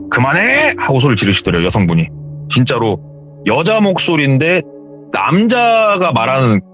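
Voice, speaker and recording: A man casually retelling a true horror story he heard from someone, slightly muffled. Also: mid-range voice. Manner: lively, retelling hearsay.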